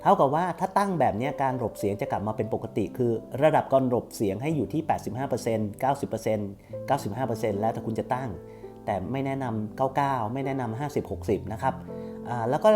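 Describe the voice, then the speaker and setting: A man's voice: medium pitch, fast, over music. A man hosting a casual step-by-step tutorial, instructing politely and repeating steps as he goes. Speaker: tutorial host for screen reader users.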